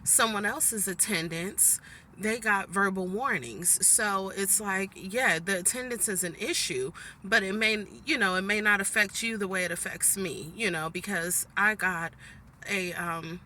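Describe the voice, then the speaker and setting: Brief: forties woman vlogging from her car, ringing bright tone, chatty and fed-up. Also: medium pitch, measured pace, a little hiss or hum. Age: 40s. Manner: chatty venting, keeps addressing viewers as "guys". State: annoyed. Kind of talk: casual vlog chat. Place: inside a parked car.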